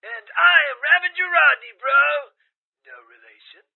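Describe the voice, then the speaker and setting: A man's voice: very high-pitched, moderate pace, gravelly, full character voice. An actor playing a defensive, weird gang bro who insists he is normal, on a tinny radio advert in an audio drama. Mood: defensive, insistent. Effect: tinny radio filter. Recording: tinny narrow-band phone-like radio sound.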